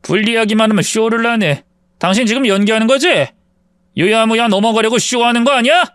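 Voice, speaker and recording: A man's voice: sits high, fairly quick, fairly bright tone, smooth, no room sound, studio quality. A man playing an arrogant husband who sneers and hurls insults. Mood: mocking. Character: arrogant, contemptuous husband in his prime.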